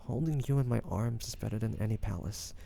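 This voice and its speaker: A man playing a devoted, nervous young man in love with his best friend, speaking softly and hesitantly in an intimate romantic audio roleplay. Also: fairly low pitch, fast, a little hiss or hum. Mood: earnest, confessional. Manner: hesitant, stammering, breathy sighs.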